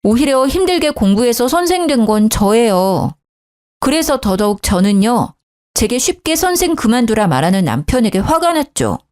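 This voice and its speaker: A woman in her thirties tells a dramatic personal story with indignant emphasis. Her fairly high voice moves in lively swings as she argues her side. The narration is emphatic and animated throughout. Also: normal speed.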